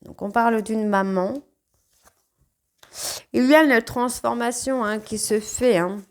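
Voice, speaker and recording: A woman's voice: a little high, a little slow, a little hiss or hum. A woman with a light northern French ch'ti accent reads tarot cards aloud. She talks in a loose, conversational way and drops a "hein" at the end of many phrases. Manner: chatty, frequent "hein" tags. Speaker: tarot card reader. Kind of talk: casual spoken tarot reading.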